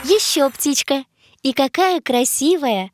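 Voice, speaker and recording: A woman's voice: high voice, lively intonation, takes it slowly. A woman playing a curious, eager young female companion in an educational cartoon for children, speaking expressively. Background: music.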